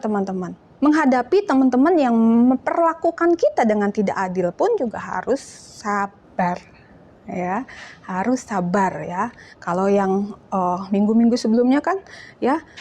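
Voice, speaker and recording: A young woman leads a children's church lesson in a lively, playful way. Her voice sits a little high, and she keeps slipping into whiny children's voices to act out examples. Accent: Indonesian. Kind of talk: children's Sunday school lesson.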